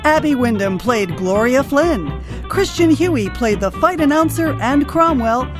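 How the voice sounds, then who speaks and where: A woman's voice: sits high, lively intonation, a little slow, music in the background. A woman reading scripted credits as the announcer of a radio drama.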